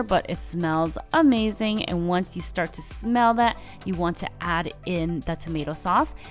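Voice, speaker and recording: Woman vlogger narrating a cooking how-to. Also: on the low side. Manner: friendly, relaxed instructional talk with upbeat lifts. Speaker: lifestyle vlogger. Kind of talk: cooking voice-over, casual how-to. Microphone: voice-over.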